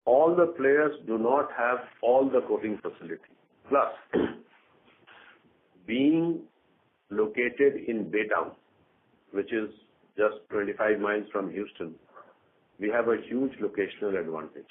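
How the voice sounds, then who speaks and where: Low-pitched male executive on a phone line. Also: unhurried, long pauses. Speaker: company executive. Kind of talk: earnings call answers. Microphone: conference call phone line. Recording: narrow tinny phone line.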